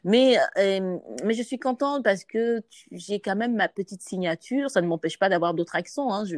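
A woman's voice: medium pitch, dry recording, studio quality. A woman with an Ivorian French accent, a guest actress in a casual interview, telling stories and slipping into other voices and accents. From Côte d'Ivoire. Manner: lively storyteller, imitates accents and voices.

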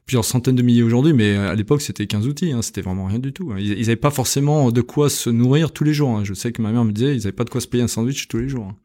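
A man's voice: medium pitch, very fast, hardly any pauses, dark tone. A man in his fifties from France, a company director talking in a casual interview, hesitant with many fillers and restarts. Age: 50s. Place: company premises.

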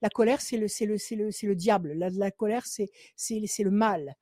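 A woman's voice: mid-range voice, moderate pace, mellow, dry recording, studio quality. A woman working as a psychic on a call-in show. She gives firm advice again and again and counts cards under her breath. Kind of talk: phone consultation with card reading.

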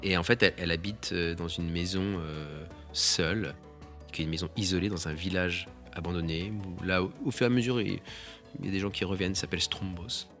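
A man, a photographer, giving a reflective and halting spoken account of one of his photographs, restarting his sentences often. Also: deep voice, steady tone, fairly bright tone, soft background music. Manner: halting, with many restarts and pauses.

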